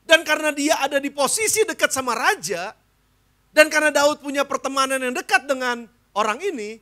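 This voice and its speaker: A man's voice: very high-pitched, pushed and bright. A man in his fifties, a pastor from Indonesia, preaching a sermon to his congregation, often asking them questions and slipping into casual slang. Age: 50s. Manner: addresses congregation as "Saudara", asks questions, mixes casual slang. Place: church.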